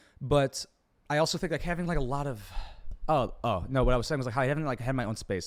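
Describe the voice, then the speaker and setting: Speech comes from a man at a very fast pace. His voice is fairly high in pitch. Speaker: podcaster. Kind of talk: casual solo podcast monologue. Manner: casual, rambling with fillers.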